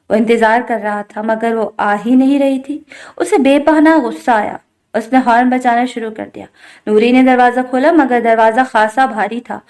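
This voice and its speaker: Higher-voiced woman reading a novel. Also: darkish tone. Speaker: novel reader. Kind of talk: scripted narration of a novel.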